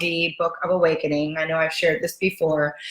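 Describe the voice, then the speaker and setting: Over noticeable background noise, a woman with a fairly low pitch speaks in an animated tone. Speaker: life coach hosting live show. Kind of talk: live stream chat with viewers. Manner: fast.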